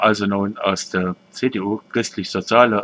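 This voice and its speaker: A man's fairly low voice with a German accent. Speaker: history video narrator. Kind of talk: reading aloud. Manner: halting.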